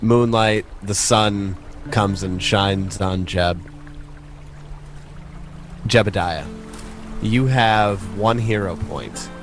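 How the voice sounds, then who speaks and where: A man runs a tabletop game as game master in a lowish voice. He narrates at a slow pace, with faint music behind him.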